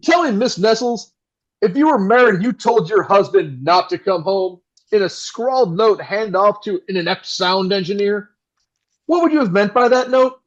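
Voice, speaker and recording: Guy playing old-time 60s radio host, super animated and high, dramatic announcer thing, audio play. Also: normal speed, dull audio. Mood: gushing, theatrical. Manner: theatrical, gushing announcer delivery. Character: flustered, melodramatic 1960s New York radio host, scorned husband.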